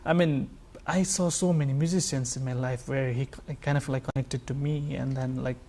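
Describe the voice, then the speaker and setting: A man with a Nepali accent, a folk musician being interviewed, talking casually and haltingly with many filler phrases. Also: mid-range voice, steady tone, darkish tone. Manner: hesitant, halting delivery full of like and you know. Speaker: folk musician, sarangi player, guest; music educator.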